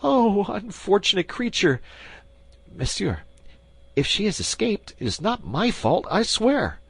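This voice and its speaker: A man's voice: very animated, a little slow, gravelly, fairly bright tone, husky, no echo, full character voice. A man voicing a frantic, fawning landlord, Bonacieux. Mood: pleading. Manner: pleading, panicky, high and whining. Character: frantic, fawning middle-aged male landlord. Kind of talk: audiobook character voice.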